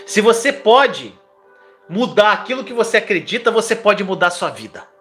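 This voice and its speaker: A male preacher with a high voice leads a live-streamed sermon. He keeps urging his listeners to say declarations aloud, fervent and insistent, while soft music plays faintly underneath. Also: big pitch swings, moderate pace.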